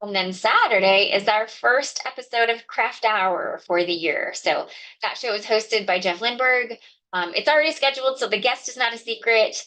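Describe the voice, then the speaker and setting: A woman's voice: fairly high pitch, moderate pace, bright, forceful tone, poor audio. Chatty woman hosting a craft livestream. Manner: chatty, explanatory, talks to viewers by name. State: slightly sniffly from a cold. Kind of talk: casual live craft demonstration.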